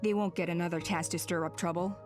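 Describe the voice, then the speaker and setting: An actress playing a composed, cautious female tribal elder in a video game, measured and authoritative. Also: lowish voice, steady tone, music in the background, natural voice. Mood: composed, decisive. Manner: measured, explanatory. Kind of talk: game voice acting.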